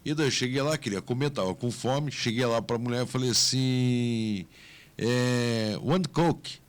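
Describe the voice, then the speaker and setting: A man's voice: mid-range voice, measured pace, clear, resonant tone. A man hosting a radio interview, chatty and fond of anecdotes. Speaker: radio host.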